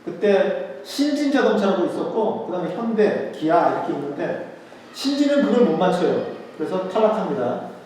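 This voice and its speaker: A man's voice: high voice, a little mellow, slight background noise. A man giving a history lecture to an audience in a conversational way, asking rhetorical questions and repeating key words. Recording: echoey hall, voice picked up from a distance.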